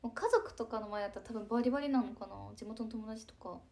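Young woman, 20s, slightly high voice, casual live-stream chatter with soft asides. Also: fast. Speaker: idol livestreamer reading chat comments.

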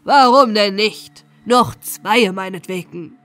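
A woman voicing a boisterous, commanding male robber captain in a storybook reading, hearty and loud. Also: mid-range voice, animated, a little slow, soft background music, close to an everyday voice. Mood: delighted. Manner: loud, jovial, commanding exclamations. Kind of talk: storybook character voice in an audiobook.

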